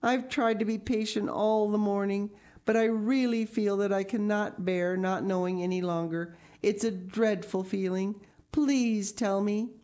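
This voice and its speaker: A high, lifted voice from a woman narrator playing an imaginative young orphan girl in a storybook. She is excitable and effusive, pouring out earnest, imploring speeches in long, wordy runs. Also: a little slow.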